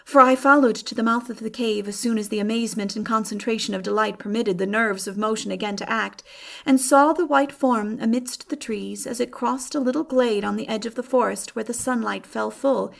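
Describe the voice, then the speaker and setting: Woman, high voice, creaky edges, dramatic audiobook narration, measured and expressive.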